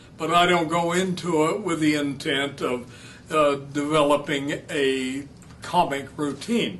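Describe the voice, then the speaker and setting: A man's fairly high pitch at a very slow pace, with ordinary pitch variation. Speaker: drag racing announcer. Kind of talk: interview answer.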